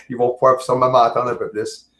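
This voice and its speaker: A jovial man with a Québécois accent talks over a video call, halting along with fillers and restarts. His voice sits at an ordinary middle pitch. The room around him sounds noticeably echoey. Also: steady tone, fairly bright tone, slight background noise. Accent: Québécois French. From Quebec, Canada. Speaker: guest, amateur astronomer. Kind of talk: casual video call chat. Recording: roomy echo.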